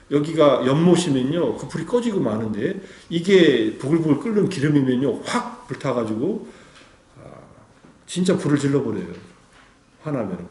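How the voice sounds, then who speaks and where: A man's voice: on the high side, a little mellow. Man, Buddhist teacher, dharma talk, explanatory, rhetorical questions, echoing room. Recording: roomy echo.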